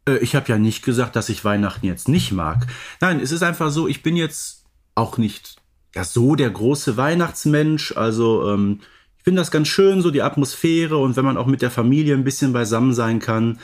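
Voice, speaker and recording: Male co-host, average-pitched voice, measured and casual conversational delivery. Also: lively intonation, darkish tone. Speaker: podcast co-host. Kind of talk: casual chat.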